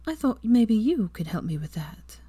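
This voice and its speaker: A woman's voice: fairly high pitch, animated, a little fast, dry recording, voice pushed up. A woman voicing a determined, teasing young adult witch, lifting her voice above the narration. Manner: bright, raised delivery against the narration.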